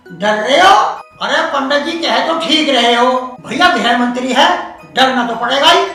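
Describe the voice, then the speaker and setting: A man plays a deaf, bumbling Haryanvi village husband who shouts at his wife in a rustic accent. His bright, high voice carries from far off in an echoey room over light music. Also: lively intonation, normal speed, exaggerated voice. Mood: bickering. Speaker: hard-of-hearing old husband (Tau). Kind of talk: comedic film acting.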